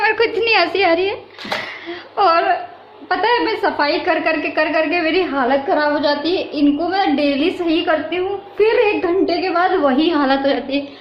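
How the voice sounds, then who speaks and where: A young woman chatting casually in a home vlog, exclaiming often and laughing as she talks. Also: sits high. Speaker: vlogger. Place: at home, indoors. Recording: roomy, dull home recording.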